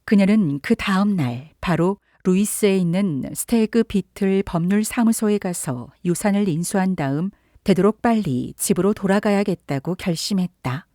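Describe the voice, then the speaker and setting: A woman narrating a literary story for an audiobook in a calm, measured way. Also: mid-range voice, dry recording, studio quality.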